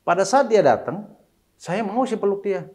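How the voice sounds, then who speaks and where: Middle-aged guy chatting in an interview, slightly high voice, gets lively acting out his kids. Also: moderate pace. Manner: mixes in English phrases, animated when quoting his kids. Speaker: interview guest, single father. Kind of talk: casual interview talk.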